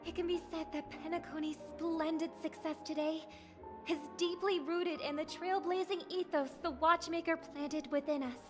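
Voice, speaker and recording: Actress as a poised young festival host, formal announcer read, high register, game score behind. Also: female voice, natural voice. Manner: formal, ceremonial announcer delivery. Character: poised young woman giving a festival speech. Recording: game audio with music behind.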